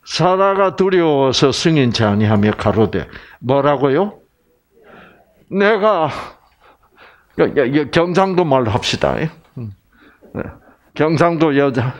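A man giving a lively, teasing Bible lecture who keeps asking his audience questions. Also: on the high side, takes it slowly, pauses often.

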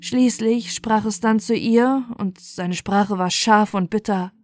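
A woman's voice: medium pitch, takes it slowly, darkish tone. A woman storyteller reading a scripted bedtime fairy tale.

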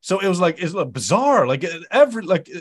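A man's voice: high-pitched, sing-song, a little fast, slightly rough. A man in his thirties hosting a casual interview, talking loosely with lots of fillers and restarts. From Netherlands. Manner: loose, hesitant, many likes and restarts. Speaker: podcast host. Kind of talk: casual video call interview. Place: dark home studio. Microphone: studio mic on boom.

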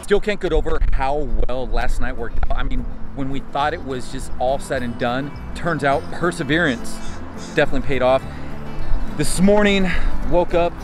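An American man in his thirties talks casually to his vlog camera. His voice sits at a middle pitch, and music plays clearly behind him. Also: normal speed. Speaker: vlogger. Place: car, waterfront and streets outdoors.

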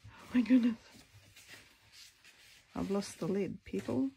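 A woman with a deep, husky voice hosting a casual stamping tutorial, chatting and thinking aloud as she crafts. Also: slow pace, background noise. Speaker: craft video host.

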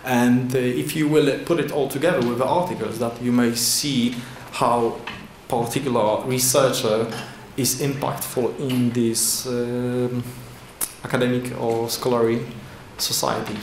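Brief: male conference presenter, mid-pitched, halting English with lots of fillers, lectern mic in an echoey hall with faint room noise. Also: flat delivery. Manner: halting non-native English with many fillers and restarts. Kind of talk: conference talk with slides. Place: large indoor conference hall. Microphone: lectern microphone at a podium.

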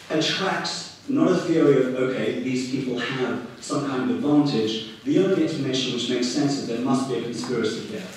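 Measured man speaking from a hall's floor. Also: mid-range voice, darkish tone. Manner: deliberate, measured, hesitant restarts. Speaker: audience member asking a question. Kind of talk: public debate comment. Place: large conference hall, in the audience. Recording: echoey hall, distant mic, faint noise.

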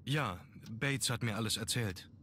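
Young noble heir, brooding, low voice, grave and measured, adventure game, some background noise. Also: male voice, sharp tone. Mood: guarded. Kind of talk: German video game voice acting.

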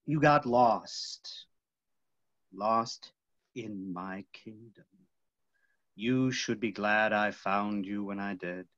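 A man playing a tormented, obsessive phantom in a staged reading, halting and dramatic, moving between hushed and loud. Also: fairly low pitch, no echo. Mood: menacing, tender. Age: middle-aged. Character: tormented, obsessive masked phantom, possessive male lover. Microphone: computer mic on video call. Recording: muffled video call audio.

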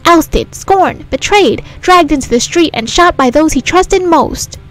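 A woman's voice: high voice, animated, measured pace, fairly bright tone, faint music behind, pitched above the performer's own voice. A woman voicing a hyper, indignant male pigeon in a visual novel, declaiming bombastically in the third person between coos. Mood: outraged. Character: hyper, melodramatic male fantail pigeon, indignant about pudding.

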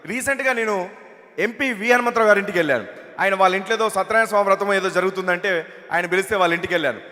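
A man with a Telugu accent, a mimicry artist doing a quick, animated stand-up act on a stage at a film launch. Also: high-pitched. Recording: reverberant stage hall.

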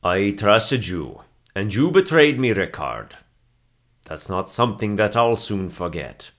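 A man's voice: fairly low pitch, fairly bright tone, full character voice. King , played by a man: jaded, irritable monarch, haughty and commanding, theatrical declamation. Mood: grave, accusing. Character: imperious, bored, short-tempered king. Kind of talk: character voice demo.

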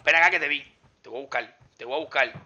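A man giving excited, exclamatory commentary over his mobile game, talking to viewers and to enemies as he plays. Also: a little high, quick pace, highs cut off, background noise. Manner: exclamatory, talks to viewers and enemies while playing.

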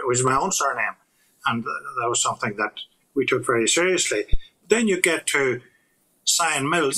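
An older Irish man speaks to a webcam in a small curtained room, giving a talk on local history. His tone is bright and clear. He pauses often and restarts his sentences in a thoughtful, unhurried way. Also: a little high, poor audio. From Ireland. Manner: reflective, hesitant with frequent fillers and restarts. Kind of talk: recorded talk to camera.

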